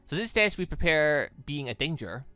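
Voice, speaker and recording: A gaming host voicing a calm, knowing headmaster from a visual novel, speaking in a measured, philosophical way. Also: medium pitch, clean tone, dry recording, faint music behind.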